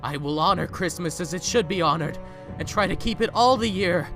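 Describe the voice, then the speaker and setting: Man acting proud, theatrical man, high bright voice. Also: lively intonation, fairly quick, soft background music, full character voice. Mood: desperate pleading. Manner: theatrical, pleading. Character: proud rich man turning frightened and desperately repentant. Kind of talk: dramatic audio drama acting.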